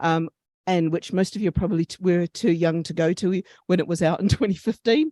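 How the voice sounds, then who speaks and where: The speaker has a slight New Zealand accent. The pace is fairly quick. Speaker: panelist, business analyst and podcaster. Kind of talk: panel discussion.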